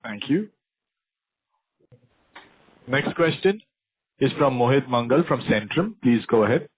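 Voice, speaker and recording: A man with a husky, medium-pitched voice moderates a call. He announces in a formal way. The sound is narrow, like a telephone line. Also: animated, measured pace, dry recording. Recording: tinny phone-like line.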